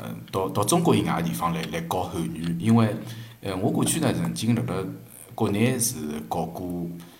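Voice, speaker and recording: A man speaks at a very deep, low pitch with very wide pitch swings. He keeps a moderate pace. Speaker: Chinese teacher and linguistics researcher. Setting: online audio room.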